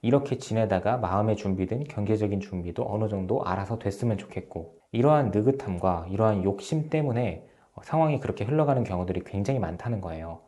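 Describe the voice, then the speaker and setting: Calm, mellow-voiced man in his thirties. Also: lowish voice, fast, hardly any pauses. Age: 30s. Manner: calm, steady explaining with frequent "uh" fillers. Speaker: relationship counselor and channel host. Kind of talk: advice talk to camera.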